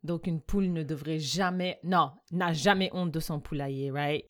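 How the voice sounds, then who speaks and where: Low-voiced woman chatting in two languages. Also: normal speed. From West African family. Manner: animated, switches between French and English mid-sentence. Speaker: podcast co-host. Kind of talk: casual chat mixing French and English.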